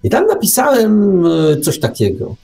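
A man's voice: high-pitched, wildly swooping pitch, normal speed, gravelly, dark tone, soft background music. A man hosting a radio talk show, giving opinions conversationally, with ironic exaggeration, rhetorical questions and repetition for emphasis. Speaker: podcast host.

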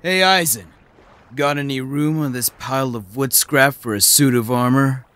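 A man's voice: medium pitch, normal speed, fairly bright tone, natural voice. A man voicing a grimly determined, wry swordsman in a fan dub of an anime game.

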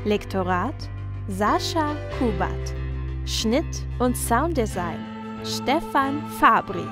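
A woman narrator reading a scripted children's audio drama narration and its credits. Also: a little high. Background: music.

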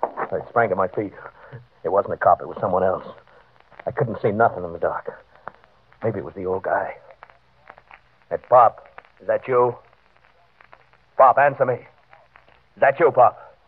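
Desperate small-time hood, tinny old radio. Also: male voice, on the low side, measured pace, pauses often, husky. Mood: tense, fearful. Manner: slangy, fatalistic tough-guy storytelling. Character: desperate, hunted small-time hood narrating his downfall. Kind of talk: 1940s radio drama acting. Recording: tinny vintage radio recording.

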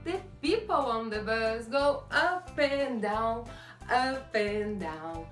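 Slow, sing-song young woman teacher. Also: a little high, animated, fairly bright tone, faint music behind. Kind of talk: reading and singing a picture book for children. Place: small classroom corner, indoors.

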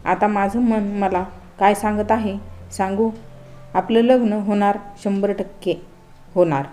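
A woman's voice: medium pitch, fairly even intonation, measured pace, dark tone, close to an everyday voice. A woman voicing a confident young man who teases his bride-to-be in a playful, self-assured way. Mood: teasing.

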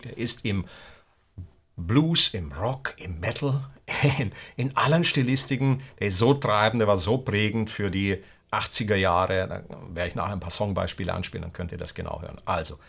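A man's voice: on the low side, moderate pace, vocal fry, a bit bright, breathy edge. A man teaching a guitar lesson, explaining strumming rhythms and counting the beats aloud. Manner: counts beats aloud and sings snippets of rock songs while explaining. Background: guitar playing.

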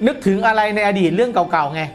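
Middle-aged man, high voice, rapid casual explaining, repetitive emphasis, faint music underneath. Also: lively intonation. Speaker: guest commentator on a horror show. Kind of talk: casual explanatory studio chat. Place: indoor studio, seated at a desk.

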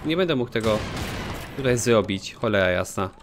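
A young gaming channel host gives casual let's play commentary over music, joking and swearing at himself as he plays. His voice sits on the low side at normal speed, and his manner is animated and full of jokey self-talk.

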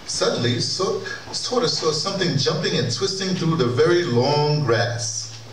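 A man's voice: on the high side, expressive, unhurried. A middle-aged man presenting and narrating a story for a live audio drama. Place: large wood-panelled conference hall, indoors. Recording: distant, echoey hall, clear background noise.

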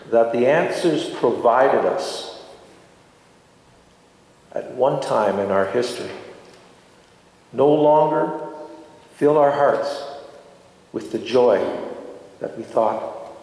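Man, fifties, preaching, measured and unhurried, mid-pitched voice, deliberate pauses, heavily echoing church. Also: a little mellow. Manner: deliberate, reflective, with pauses between short phrases. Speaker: priest preaching a homily. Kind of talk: sermon. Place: large stone church, indoors. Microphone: microphone on a stand at the lectern. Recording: very echoey church with long reverb.

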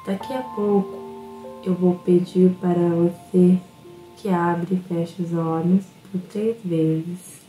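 A woman with a Brazilian Portuguese accent leads a guided self-hypnosis session, speaking very slowly, calmly and instructively. Her voice is mellow and warm, and sits low for a woman. It echoes in a roomy space with faint instrumental music behind. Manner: slow, soothing, instructive.

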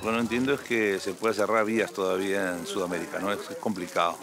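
A man's voice: low voice, fairly even intonation, fast talker, a crowd in the background. A man from Peru, a traveler talking casually and hesitantly. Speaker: traveler with the press crew. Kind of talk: casual talk.

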